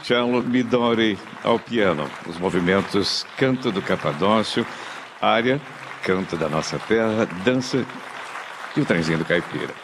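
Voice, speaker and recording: A man's voice: fairly low pitch, lively intonation, measured pace, crowd noise. A man hosting a radio concert program, interviewing performers on stage in a formal, effusive announcer manner. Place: theater stage. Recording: reverberant concert hall with audience noise.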